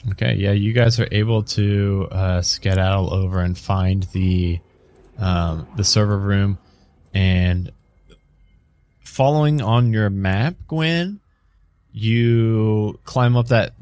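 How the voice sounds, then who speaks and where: A man running a tabletop game as game master, narrating in a casual, loose way full of fillers. His voice sits on the low side, and the sound is dry and close. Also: a little mellow, dry recording.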